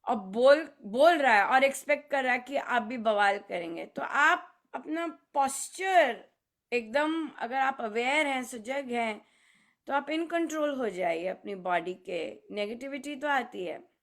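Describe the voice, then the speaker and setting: Woman giving a spiritual talk, high voice, slow, hindi mixed with english phrases. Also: lively intonation. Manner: unhurried, mixing Hindi and English, acting out scolding voices. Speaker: spiritual speaker.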